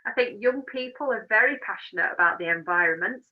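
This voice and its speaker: Speaking briskly with lively intonation at a medium pitch, an engineer and managing director is interviewed, and the recording's highs are cut off. Her explanations and advice come across as informal, emphatic and encouraging.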